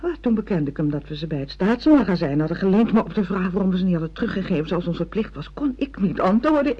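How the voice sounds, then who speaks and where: Weary mother, very animated delivery. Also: a little high. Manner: plaintive, defensive. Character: weary, defensive middle-aged wife and mother. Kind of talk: Dutch radio drama acting. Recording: dull, muffled radio play recording.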